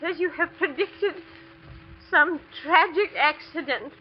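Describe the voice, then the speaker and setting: A woman's voice: high-pitched, slow, a little hiss or hum. An actress playing an elderly, timid female school owner in a 1940s radio drama, hesitant and flustered. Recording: dull old radio broadcast.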